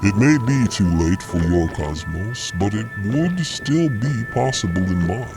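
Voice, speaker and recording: A man voicing a grave, zealous frog-like alien intellectual in an audio drama, speaking in lofty, measured, persuasive phrases. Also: on the low side, expressive, over music. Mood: earnest.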